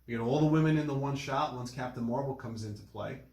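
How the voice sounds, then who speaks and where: A man hosting a casual movie discussion, retelling scenes in an animated way with repeated phrases. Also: mid-range voice, fast talker. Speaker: podcast host. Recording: roomy, echoing room sound.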